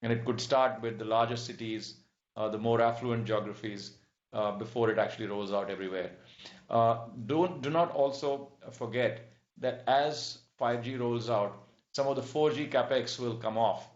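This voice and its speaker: Echoey, halting male executive. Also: medium pitch. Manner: halting, measured, explanatory. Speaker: telecom company executive. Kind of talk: earnings call answers. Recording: dull, echoey conference-call audio.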